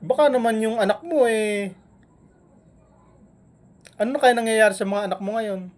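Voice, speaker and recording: Taunting man scolding a rival vlogger. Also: high voice. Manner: taunting, scolding, with drawn-out hums between jabs. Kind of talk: live-stream rant at a rival.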